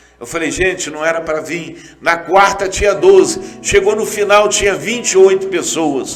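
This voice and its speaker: A man talks at a fairly slow pace in a high pitch with ordinary pitch variation, amid noticeable background noise and audible room echo. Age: 60s. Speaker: pastor and radio host. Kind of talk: radio sermon and testimony. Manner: conversational storytelling.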